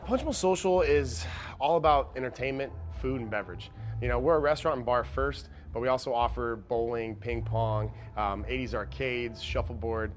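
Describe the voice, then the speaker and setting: A man's voice: mid-range voice, moderate pace, faint music behind. A man talking conversationally in a promotional interview as a beverage director. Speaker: beverage director of a bar and restaurant.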